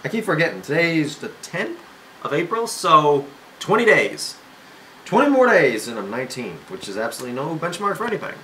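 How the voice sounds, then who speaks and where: Rambling, lively young man vlogging. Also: a little high, brisk, a little hiss or hum, poor audio. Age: young adult. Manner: rambling and self-interrupting, with many fillers and restarts; jokey and self-mocking. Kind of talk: casual rambling to camera. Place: home room. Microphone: camera mic.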